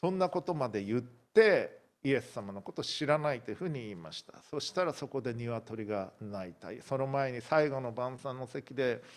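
A male pastor gives a sermon, retelling a story with lively, conversational storytelling. His voice sits at an ordinary middle pitch for a man. He brings the quoted speakers to life as he goes. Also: moderate pace, few pauses.

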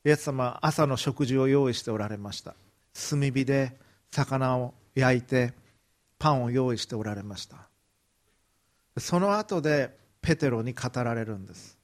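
A man's voice: mid-range voice, normal speed. A man preaching a sermon, retelling a Bible story vividly and briefly acting out the quoted lines. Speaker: pastor.

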